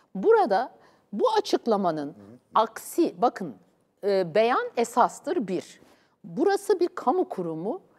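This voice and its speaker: Against a quiet background, a woman with a fairly high pitch and vocal fry speaks at a very slow pace, with very wide pitch swings and big swings in loudness. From Turkey. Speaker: political commentator. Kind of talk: heated debate. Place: studio.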